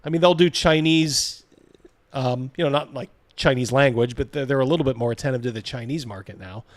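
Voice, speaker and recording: A man's voice: medium pitch, brisk, no echo. A man hosting a casual live commentary, reading out viewer comments in a blunt, mocking, sweary way. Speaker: host of a livestream reacting to a video.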